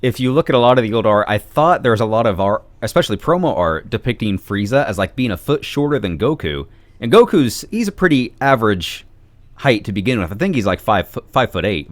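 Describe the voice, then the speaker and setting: A man's voice: lowish voice, no room sound. A man speaking as a podcast guest in a casual fan discussion, reasoning through his points conversationally.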